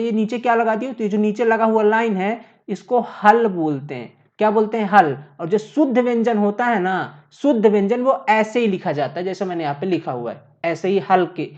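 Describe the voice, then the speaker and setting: A woman's voice: medium pitch, animated, moderate pace, hardly any pauses, darkish tone. Woman teacher lecturing, keeps asking then answering her own questions, kinda dull lo-fi sound. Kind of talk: classroom lecture at a board.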